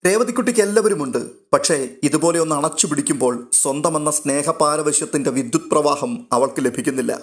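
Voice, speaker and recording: A man narrating a novel aloud in a steady, literary storytelling manner. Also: on the high side, quick pace.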